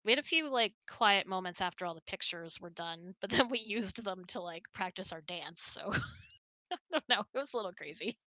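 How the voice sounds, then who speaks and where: A woman's voice: mid-range voice, expressive, moderate pace, sharp tone, no echo. A woman hosting a casual hangout, telling stories and answering questions in a chatty, rambling, giggly way. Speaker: host of an online hangout.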